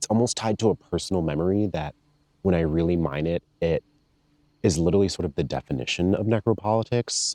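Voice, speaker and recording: A very deep, low-pitched man with an American accent, very fast delivery, ordinary pitch variation, a dark, mellow tone and a dry, close sound with no echo. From US, Jamaican American family. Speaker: YouTuber and writer. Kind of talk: personal video essay.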